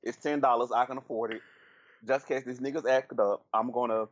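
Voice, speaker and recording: A man with a Southern US accent, a podcast guest telling frank, crude stories in animated casual chat. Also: mid-range voice, a little fast, highs cut off. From Southern United States.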